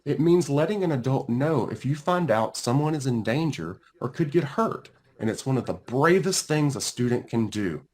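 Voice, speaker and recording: Man as a kindly school counselor, lively intonation. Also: medium pitch, normal speed, hardly any pauses, lightly acted. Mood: instructive.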